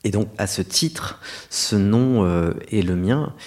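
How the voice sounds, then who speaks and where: A middle-aged male novelist with a deep, low-pitched voice. He speaks reflectively and earnestly in an interview, often pausing with hesitations as he gathers his thoughts. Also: expressive, a little mellow. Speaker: novelist guest. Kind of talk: interview conversation.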